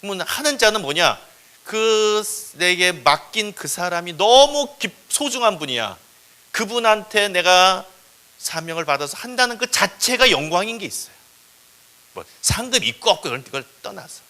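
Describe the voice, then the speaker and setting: Animated man preaching a sermon. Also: high voice, moderate pace. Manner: animated, acts out voices. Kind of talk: storytelling sermon. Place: church.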